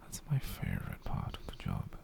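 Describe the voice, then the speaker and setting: A man's voice: moderate pace, background noise, lightly acted. A man with a British accent playing a doting, possessive, menacingly sweet boyfriend in a whispered, coaxing ASMR roleplay. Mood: tender, clingy. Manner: coaxing, teasing, theatrical.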